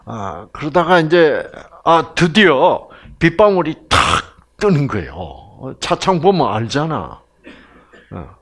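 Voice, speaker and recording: A man with a Gyeongsang Korean accent lectures at an unhurried pace and tells his stories in a joking way. His pitch rises and falls a great deal as he turns to the audience with questions. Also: big pitch swings. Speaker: health program lecturer.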